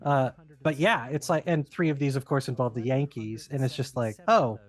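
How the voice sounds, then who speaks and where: A man's voice: medium pitch, moderate pace. A middle-aged man chatting animatedly as he gives commentary on his own film. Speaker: filmmaker giving director's commentary. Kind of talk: casual commentary chat.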